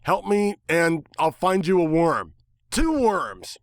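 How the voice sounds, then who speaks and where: A man voicing a brash, self-mocking hero in a fantasy story, excitable and wisecracking. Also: fairly high pitch, slow pace, no room sound, clean studio sound, pitched above the performer's own voice, exaggerated voice. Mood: pleading.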